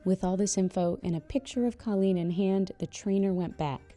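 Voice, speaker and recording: A woman narrating a podcast in a calm, measured, scripted way. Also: mid-range voice, soft background music.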